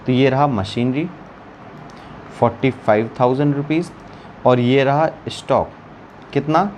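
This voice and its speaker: A man's voice: medium pitch, unhurried, darkish tone, slight background noise. A man teaching an online accountancy class, working sums aloud while writing and teasing his students. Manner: chatty, teasing, calls students beta.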